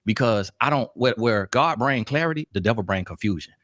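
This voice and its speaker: A man who argues like a preacher, emphatic and moralizing. His voice swings widely in pitch. The sound is dry, with no room in it. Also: animated, a little fast, fairly bright tone, no echo. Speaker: podcast guest. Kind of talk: heated debate.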